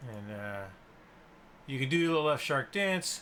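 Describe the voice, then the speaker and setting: At a fairly slow pace, a man with a medium-pitched voice speaks in a bright, sharp tone and lively intonation. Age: 60s. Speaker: YouTube product reviewer. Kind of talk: casual product review. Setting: home desk, on camera. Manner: informal, with filler words.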